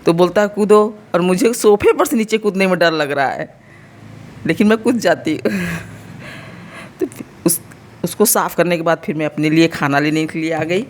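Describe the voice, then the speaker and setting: A home vlogger in her thirties from India speaks in a lowish voice at normal speed, with long pauses and slight background noise. She has an Uttar Pradesh Hindi accent and a slightly sore throat, and she chats casually, addressing viewers directly and explaining as she goes.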